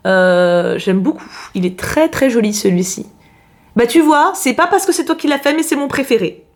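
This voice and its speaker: A woman's voice: high voice, animated, moderate pace, darkish tone. A woman talking casually as she unboxes a parcel on camera, chatty and exclamatory, thinking aloud as she goes. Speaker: YouTuber host.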